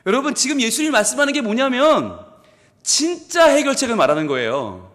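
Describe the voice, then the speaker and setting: A man, a pastor, preaching a sermon in an animated storytelling way, acting out the people in his stories and asking the congregation questions he answers himself. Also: very high-pitched, a little fast. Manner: animated storytelling, acts out quoted speakers. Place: church sanctuary. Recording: long hall reverb.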